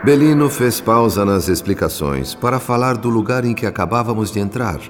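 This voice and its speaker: A male actor with a Brazilian accent playing an earnest, reverent spirit who narrates a radio drama in a solemn, measured, formal way. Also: on the low side, lively intonation, natural voice. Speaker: narrator character. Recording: long reverb with music behind. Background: music.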